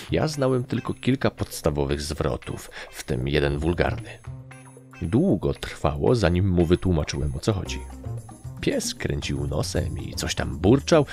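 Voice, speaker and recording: A deep, gravelly-voiced Polish man reads a first-person tale with a lively, swinging delivery. Soft music plays quietly behind him. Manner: animated, voicing characters with raised shouts. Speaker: audiobook narrator. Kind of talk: first-person audiobook narration.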